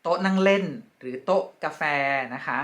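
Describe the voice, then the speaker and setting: A woman teaching French vocabulary in a slow, careful way, repeating each word twice and ending her phrases politely. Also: fairly low pitch. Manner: polite, ends phrases with soft particles. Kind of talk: vocabulary lesson.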